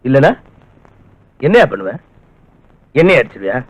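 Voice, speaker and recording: An actor playing a hot-tempered police officer who taunts and interrogates aggressively. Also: male voice, mid-range voice, sing-song, normal speed, a little hiss or hum, lightly acted, low-quality recording. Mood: provoking. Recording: film soundtrack with clear music.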